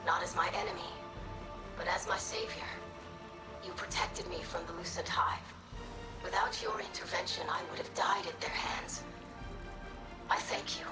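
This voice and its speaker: A young woman playing an earnest, gentle alien scholar in a game, speaking formally in a breathy, whispery voice. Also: on the low side, sing-song, music in the background, poor audio. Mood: solemn, earnest. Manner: formal, measured, earnest diction. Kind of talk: scripted game dialogue.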